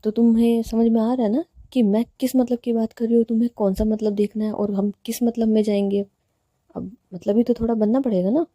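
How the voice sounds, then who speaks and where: A woman's voice: fairly high pitch, flat delivery, fairly quick, warm tone, no echo, studio quality, lightly acted. A woman voicing a playful, teasing young woman in love who coaxes and plays with words. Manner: teasing, coaxing, wordplay.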